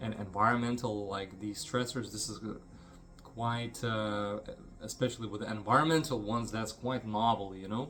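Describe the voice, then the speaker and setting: Speaking with a Lithuanian accent, a man of fairly low pitch keeps a moderate pace and fairly even intonation. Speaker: health coach. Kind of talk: informal talk to camera. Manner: halting, many fillers.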